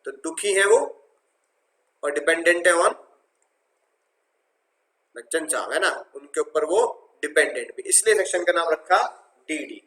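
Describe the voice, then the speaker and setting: Bright-voiced man teaching tax. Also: on the high side, lively intonation, measured pace, long pauses, echoey room, poor audio. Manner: asks himself questions and answers as the students; many "है ना" and "right" check-ins. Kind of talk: lively lecture with stories and call-and-response.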